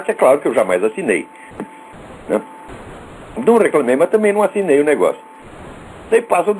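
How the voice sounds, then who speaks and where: A man's voice: a little high, darkish tone, slight background noise, rough recording. A male radio host with a Brazilian accent, ranting in a scornful, profane and sarcastic monologue. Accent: Brazilian Portuguese.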